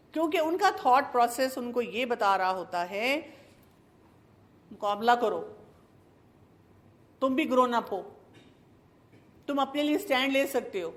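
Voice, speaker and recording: A middle-aged woman, a child psychologist, giving calm, explanatory parenting advice and slipping English phrases into her talk. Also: a little high.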